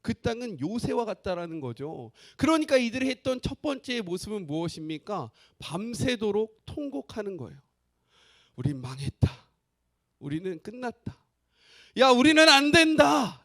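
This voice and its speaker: A male pastor preaching a sermon, who keeps the congregation involved by asking them frequent questions. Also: high-pitched.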